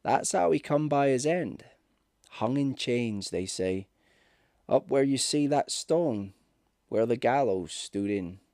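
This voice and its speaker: A man's voice: mid-range voice, animated, takes it slowly, dark tone, no room sound, clean studio sound. Man voicing a folksy innkeeper. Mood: wary. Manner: folksy, dialect-laden storytelling. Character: rustic English innkeeper, superstitious, deferential and reproachful. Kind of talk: ghost story audiobook character.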